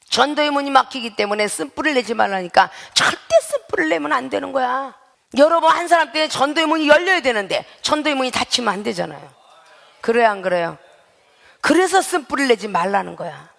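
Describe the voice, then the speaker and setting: A woman pastor delivers an emphatic sermon in a high, sharp voice with a gravelly edge. She keeps throwing rhetorical questions at the congregation. Her words ring out with a long church reverb. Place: church sanctuary.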